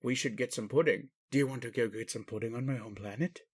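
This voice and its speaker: A man playing a gentle, puzzled alien daddy in an intimate roleplay audio, indulgent and bemused, with questioning hesitations. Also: medium pitch, fast talker, slightly rough, no echo, clean studio sound, natural voice. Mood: gently curious. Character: gentle, puzzled alien daddy, adult male spaceship commander. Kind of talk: intimate roleplay audio, speaking to one listener.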